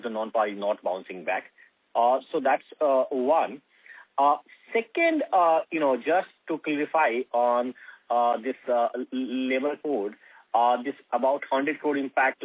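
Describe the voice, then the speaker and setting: Man, analyst caller, halting and circling questions, mid pitch, dry tinny telephone sound. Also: no echo. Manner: halting, hedging, circling delivery. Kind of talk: asking questions on earnings call. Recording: dry, narrow telephone line.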